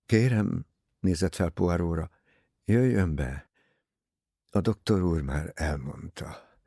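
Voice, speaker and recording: A wounded young husband, frightened and strained, pushing his words out haltingly, as a male narrator plays him. Low, gravelly and husky, in a dry close audiobook recording. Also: dark tone, no room sound, exaggerated voice.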